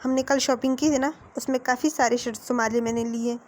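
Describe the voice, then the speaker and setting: Lady voicing a calm young guy, soft and coaxing, talks his sulky partner down. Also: a little high, quick pace, slight background noise, natural voice. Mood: gentle. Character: calm, patient young man soothing his lover.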